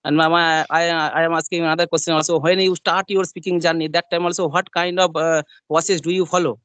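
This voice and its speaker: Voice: medium pitch, flat delivery, fairly bright tone, no echo. An English learner from West Bengal with a Bengali accent, whose mother tongue is Bengali, asking questions in a casual practice chat with many fillers. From West Bengal, India. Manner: quick, repetitive affirmations with filler-heavy phrasing. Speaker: English learner interviewing a trainer.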